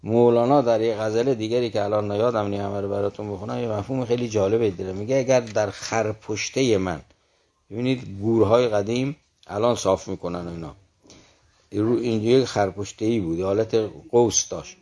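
A man explaining classical poetry in conversation, earnest and patient. He recites verse slowly and then unpacks each line. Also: on the low side, fairly even intonation, dark tone. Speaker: literature commentator.

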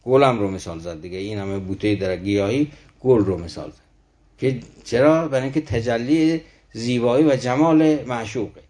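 Male lecturer, mid-pitched, earnest; slow measured verse recitation followed by direct explanation. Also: warm tone. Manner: earnest, speaks straight to the listeners. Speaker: lecturer on Rumi's poetry.

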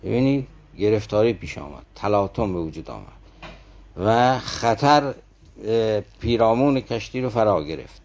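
A man's voice: fairly low pitch, expressive, darkish tone. A man teaching a classical verse story, explaining its meaning and turning often to his listeners with rhetorical questions. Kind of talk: didactic talk explaining verse.

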